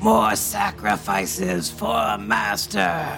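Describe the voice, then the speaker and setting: In a put-on character voice, a man growls and hisses at a fairly low pitch and a very slow pace, with clear background noise. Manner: angry, hissing, growling.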